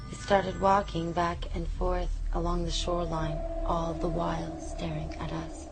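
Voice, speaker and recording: Over loud music, a woman voices a young Native American girl narrating her journal in an audio drama. She speaks very slowly and rather low, with earnest, hushed wonder and a sense of suspense. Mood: wondering, uneasy.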